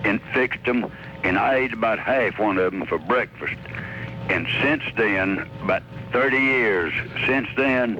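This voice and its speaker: A man with a Southern US accent speaks at medium pitch and a fairly slow pace, with long, frequent pauses. His loudness stays very even, pitch variation is ordinary, and there is noticeable background noise. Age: 60s. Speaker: caller. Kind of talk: call-in radio chat. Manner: halting.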